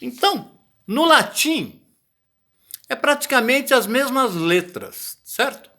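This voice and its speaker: A man's voice: very high voice, very animated, takes it slowly, pushed and bright. A man giving a casual video lesson on botanical Latin, chatty and often searching for words. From Brazil. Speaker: botany teacher.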